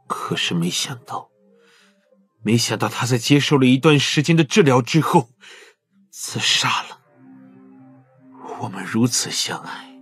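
An actor playing a bitter, lovelorn man in an audio drama, confessing haltingly and emotionally. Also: medium pitch, fairly bright tone, slightly rough. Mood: anguished.

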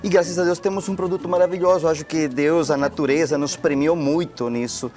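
A man's voice: fairly high pitch, fairly even intonation, a little fast, darkish tone, faint music behind. A middle-aged man from Peru who speaks Spanish natively, talking with a Peruvian Spanish accent as a restaurant guest in a TV studio, polite and hesitant with many fillers. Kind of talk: studio interview. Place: bright TV studio. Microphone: handheld microphone.

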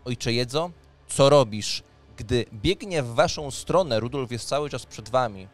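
A man's voice: mid-range voice, lively intonation, measured pace. A man in his thirties narrating a tabletop fantasy game as game master, in a descriptive, dramatic storytelling manner. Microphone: close microphone on a boom arm, headset on. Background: music.

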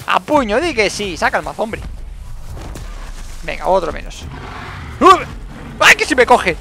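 A man commentates gameplay with a high, gravelly voice, swinging widely between low mutters and excited calls. He repeats words in rapid bursts and talks to himself, over faint game noise. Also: faint music behind. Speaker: gaming YouTuber.

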